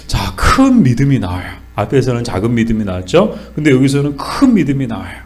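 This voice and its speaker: A man's voice: mid-range voice, huge pitch swings, brisk, darkish tone. A middle-aged man teaching a church Bible study, explaining with questions and answers and acting out the lines he quotes.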